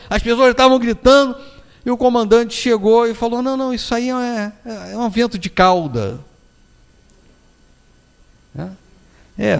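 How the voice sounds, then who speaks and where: Speaking with a Brazilian Portuguese accent, a male spiritist lecturer tells anecdotes in an animated public talk, voicing the people he quotes and often ending lines with tag questions. His voice is high, and the hall echoes with long reverb.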